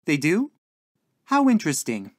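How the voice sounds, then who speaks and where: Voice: medium pitch, huge pitch swings, unhurried, no room sound, clean studio sound, voice pushed up. A narrator voicing a dainty, scatterbrained older landlady in a story, with sweet endearments and a coaxing, genteel manner. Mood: gushing, airy. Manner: sing-song, sighing, motherly endearments.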